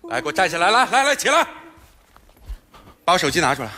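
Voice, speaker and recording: A man, acting in a stage comedy sketch, loud, bossy and boastful. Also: high-pitched, big pitch swings, fast talker.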